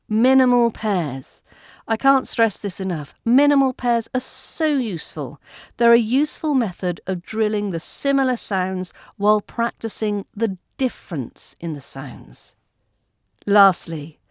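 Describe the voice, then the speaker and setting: A woman with an RP British accent, giving a scripted lesson as an accent coach, speaking in a clear, carefully enunciated way. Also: mid-range voice, no room sound, clean studio sound. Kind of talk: scripted teaching narration.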